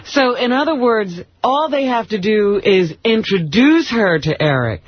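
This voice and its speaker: A woman co-hosting a radio show, chipping in with short bantering questions in a husky voice. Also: mid-range voice, animated, unhurried, dry recording. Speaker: radio co-host. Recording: dull lo-fi radio audio.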